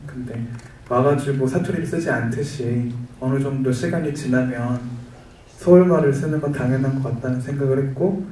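A young man from Jeju speaks into a handheld mic on a hall stage, his voice dark and mellow. He explains things slowly and methodically, pausing on fillers. The hall adds a roomy echo and he sounds a little distant. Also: mid-range voice. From Jeju, Korea. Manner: measured, explanatory, with many hesitations. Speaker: film director. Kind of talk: press conference answers. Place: large event hall stage, seated.

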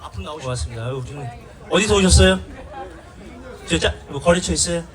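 A man performing as a pumba singer and emcee on an outdoor festival stage, bantering loudly and playfully with the audience. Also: fairly high pitch, animated, fast talker. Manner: loud playful banter, teases the audience, runs quizzes. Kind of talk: live stage singing and crowd banter. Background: live music and crowd.

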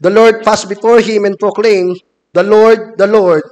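A Filipino man in his thirties preaching a measured sermon from a wooden pulpit in a church hall, reading scripture aloud. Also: high-pitched, fairly even intonation, a little mellow. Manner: measured, reads scripture from a laptop. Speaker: deacon preaching. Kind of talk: sermon mixing Filipino and English.

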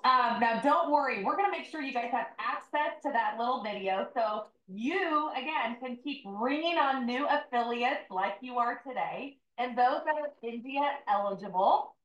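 A woman's voice: a little high, a bit bright, roomy sound, far from the mic, highs cut off. A woman hosting a company training webinar, upbeat and chatty as she talks to her audience. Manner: upbeat, chatty, addresses audience as you guys. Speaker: sales executive hosting a training.

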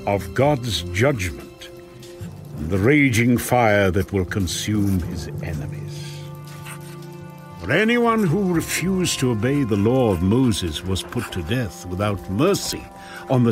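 Casting: male scripture narrator, slow and earnest, dramatic emphasis, faint music beneath. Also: fairly low pitch.

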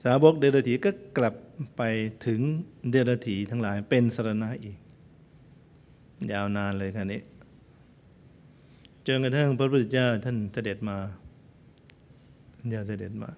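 Joking monk preaching in a reverberant hall. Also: male voice, medium pitch, a little slow, pauses often, darkish tone. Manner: playful, joking asides to listeners. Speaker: Buddhist monk. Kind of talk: sermon with storytelling.

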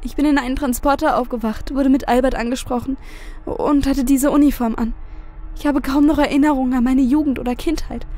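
A woman's voice: sits high, fairly even intonation, a little fast, warm tone, close to an everyday voice. A woman playing a blunt, troubled young female soldier in an audio drama. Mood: confused, earnest. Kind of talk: German audio drama acting.

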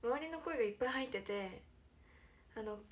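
A young woman hosting a casual livestream chat, giggly and animated, who often drops to a near-whisper. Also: a little high, a little fast. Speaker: idol livestream host.

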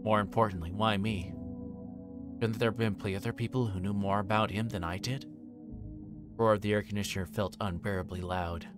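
Reading a visual novel's narration on a livestream, a man speaks at a moderate pace in a steady, lowish voice, now and then tripping over words and going back over them. Music plays in the background.

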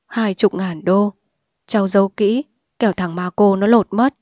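A woman voicing a remorseful old man who speaks softly, slowly and pleadingly. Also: mid-range voice, steady tone, no echo, clean studio sound, close to an everyday voice. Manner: soft, slow and pleading.

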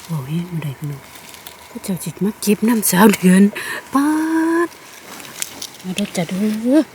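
Isan woman vlogger, lowish voice, excited forest narration, noisy outdoor sound. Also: normal speed. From Northeast Thailand. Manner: excited exclamations, addressing viewers as siblings. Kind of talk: casual foraging vlog.

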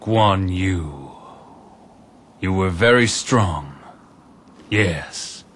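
A ruthless warlord, very deep, slow, cold commanding. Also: male voice, lively intonation, fairly bright tone, a little hiss or hum, exaggerated voice. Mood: respectful. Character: commanding, ambitious male warlord. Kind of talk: video game cutscene dub.

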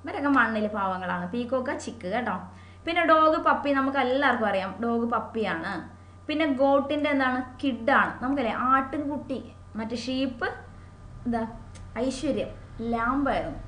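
A woman's voice: high-pitched, lively intonation, fairly bright tone. Chatty woman teaching, echoey room. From Kerala. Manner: chatty, asks questions and answers them herself; repeats key words slowly for memory. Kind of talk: online exam-prep lesson.

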